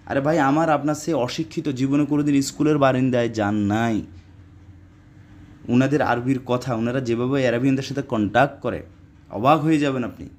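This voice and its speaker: A man teaching Arabic phrases in a casual spoken lesson, repeating words slowly and lecturing his viewers. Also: mid-range voice, a little mellow, slightly rough.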